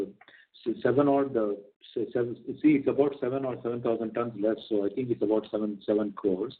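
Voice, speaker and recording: A man with an Indian accent answering as a company executive on an earnings call, measured and guarded, often stammering and repeating words as he goes. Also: mid-range voice. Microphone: phone or conference call line. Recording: narrow, tinny conference call line.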